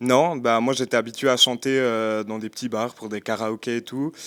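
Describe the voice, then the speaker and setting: The recording is very clean, with a silent background. A man speaks at a medium pitch and a fairly slow pace. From Switzerland, Jura. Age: 20s. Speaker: singer. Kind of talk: interview. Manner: halting, many hesitations.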